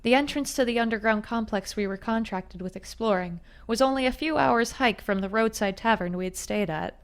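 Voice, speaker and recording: A woman narrating a first-person fantasy story in a steady, even storytelling manner. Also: fairly high pitch, fairly quick, smooth.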